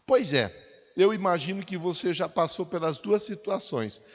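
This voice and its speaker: A man preaching a sermon as pastor, building to loud emphatic declarations and repeating refrains. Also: high voice, lively intonation, normal speed. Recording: dull lo-fi sound with long hall reverb.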